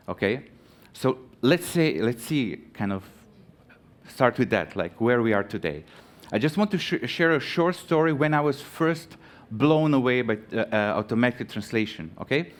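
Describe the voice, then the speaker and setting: A man from Croatia in his thirties giving a live conference talk, halting with many fillers and restarts, friendly and chatty with the audience. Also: medium pitch. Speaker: conference speaker. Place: conference stage.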